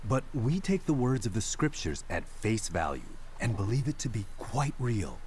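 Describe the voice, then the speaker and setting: A man's voice: mid-range voice, sing-song, darkish tone, a little hiss or hum, lightly acted. A male actor playing a formal, persuasive corporate agent with ulterior motives in a dramatic video game. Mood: calm, persuasive. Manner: formal, measured wording.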